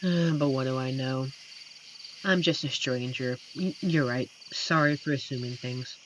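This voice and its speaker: A performer voicing an amiable, shy werewolf forest protector in a roleplay audio drama, speaking gently and hesitantly with earnest pauses. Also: mid-range voice, natural voice. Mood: surprised, awkward. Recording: noisy track with night cricket ambience. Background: crickets and night forest insect ambience.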